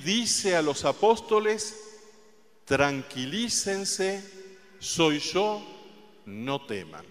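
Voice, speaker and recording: Male preacher, fairly high voice, gentle stress on key phrases, recorded in a reverberant church. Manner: slow, deliberate, soft emphasis on quoted words. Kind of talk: sermon. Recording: long reverb of a large hall.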